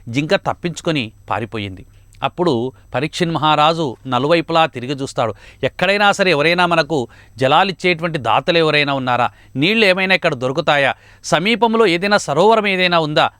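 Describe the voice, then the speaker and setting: A man's voice: fairly high pitch, sharp tone, dry recording, studio quality. A man narrating a devotional epic story in a sermon style, with emphatic, repetitive retelling. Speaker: religious storyteller. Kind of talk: devotional epic discourse with chanted verses.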